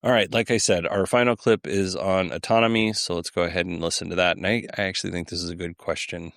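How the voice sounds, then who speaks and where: A man's voice: low voice, fairly even intonation, fast, creaky, fairly bright tone, no echo, clean studio sound. A man hosting a podcast solo, giving informal, rambling commentary with an occasional chuckle in his delivery. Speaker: podcast host. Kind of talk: casual solo commentary on audio clips.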